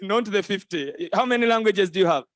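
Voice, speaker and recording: Playful high-voiced male event host. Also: fairly quick, dry recording. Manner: playful, repeats phrases to the crowd, laughs often. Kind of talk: lively crowd interaction. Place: conference hall stage.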